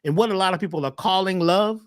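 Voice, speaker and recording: A man talking as a wellness coach on a talk show, emphatic and repetitive, often jumping high on key words. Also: fast, no echo, clean studio sound. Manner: emphatic, repeats phrases, swoops up on key words. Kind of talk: animated talk-show conversation.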